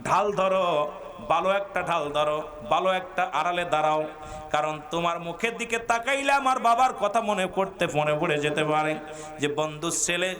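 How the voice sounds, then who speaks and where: A male preacher telling a story in a sermon, dropping low, then shouting exhortations at a gathering and chanting Quranic verses in a melodic tone. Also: normal speed. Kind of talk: Bengali waz sermon, storytelling with chanted Arabic. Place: outdoor religious gathering.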